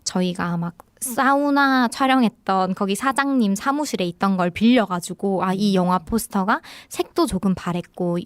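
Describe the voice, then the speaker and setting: A woman's voice: mid-range voice, animated, moderate pace, hardly any pauses, smooth, no room sound. A young woman with a Daegu accent, a film director talking reflectively and chattily in a radio interview. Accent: Daegu dialect. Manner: chatty, reflective, laughs often. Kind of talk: casual interview talk. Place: radio studio.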